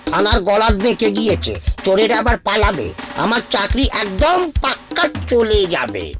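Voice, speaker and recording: A woman's voice: mid-range voice, sing-song, unhurried, music in the background. A woman voicing an anxious, pleading police officer in a children's cartoon. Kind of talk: Bengali children's cartoon dubbing.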